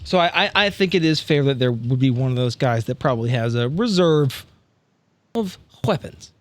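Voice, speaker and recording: A man's voice: medium pitch, expressive, moderate pace. A man playing a tabletop game, improvising casually in his everyday voice with a wry, hesitant, rambling delivery.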